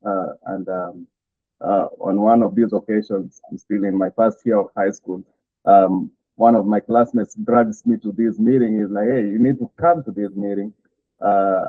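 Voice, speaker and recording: A man's voice: low-pitched, no room sound. Kenyan man with a tinny call sound. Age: middle-aged. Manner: halting, many "uh" fillers, chuckles between thoughts. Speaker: pastor. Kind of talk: interview guest telling his story. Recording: tinny phone-like call audio, dry.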